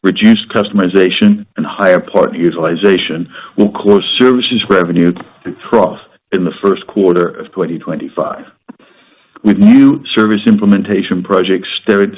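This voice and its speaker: A man speaking as a company executive on an earnings call, croaky from a sore throat, measured and businesslike with the odd filler. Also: low voice. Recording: muffled conference-call audio.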